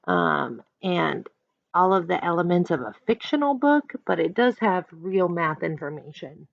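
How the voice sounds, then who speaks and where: Female elementary teacher, animated read-aloud with plain asides to children. Very varied pitch, unhurried delivery. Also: vocal fry, no room sound, dull audio. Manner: explains simply, addressing young listeners directly.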